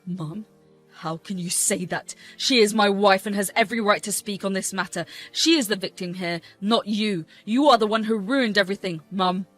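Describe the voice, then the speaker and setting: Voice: medium pitch, moderate pace, fairly bright tone, close to an everyday voice. A voice actor playing a betrayed, angry grown son and husband who confronts his mother, over faint music. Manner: outraged, confronting.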